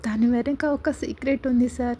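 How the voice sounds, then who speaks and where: A woman's voice: fairly high pitch, fairly even intonation, normal speed, dark tone, a little hiss or hum, natural voice. A woman reading a story aloud voices a cheerful, stubborn young woman who speaks lightly and with laughter.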